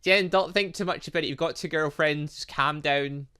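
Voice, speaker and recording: A person giving casual let's play commentary on a game, rambling and thinking out loud as they go. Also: medium pitch, normal speed, smooth. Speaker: gaming video host.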